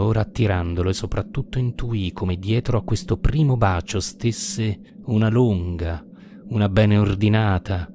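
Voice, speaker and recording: A man reading a classic novel aloud in a measured, lyrical audiobook style. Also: low-pitched, background noise. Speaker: narrator and adapter. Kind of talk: audiobook literary narration. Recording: narration over music.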